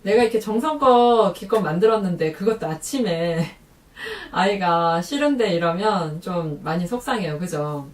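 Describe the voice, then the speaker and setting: Woman parenting vlogger, chatty and animated, roomy echo, kinda far from the mic. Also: normal speed, few pauses. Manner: lively, acts out quoted lines in a higher voice. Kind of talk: casual talk to camera.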